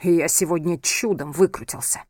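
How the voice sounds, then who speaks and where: A woman reading aloud and voicing an angry, controlling young husband who scolds his wife in a low, hard tone. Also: normal speed, a little mellow, no room sound, studio quality, close to an everyday voice. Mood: scolding. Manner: harsh, scolding, hard-edged.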